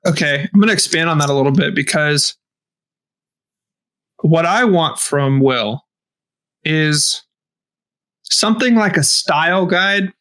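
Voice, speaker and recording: A podcast co-host chats casually, his fairly high, slightly bright voice moving a little slowly with long pauses. He talks enthusiastically in bursts, ranting and swearing.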